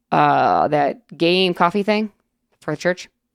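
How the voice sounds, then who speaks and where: Recorded very cleanly with a silent background and a dry, close sound with no echo, a woman with an American accent speaks at a fairly slow pace with lively intonation and fairly low pitch. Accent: Wisconsin accent, noticed by others. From Wisconsin, US Midwest. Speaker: podcast co-host. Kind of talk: casual chat. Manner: halting, many fillers.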